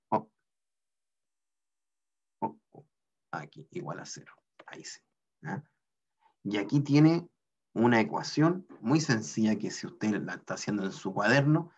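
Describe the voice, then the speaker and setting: A man's voice: lowish voice, vocal fry, highs cut off. A man teaching a mechanics class online, working through equations step by step and often checking in with a questioning "ah?".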